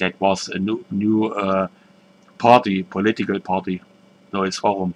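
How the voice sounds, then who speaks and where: A man with a German accent talks in a monotone, flat intonation at a fairly slow pace, his pitch fairly low. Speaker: history video narrator. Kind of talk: reading aloud. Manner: halting.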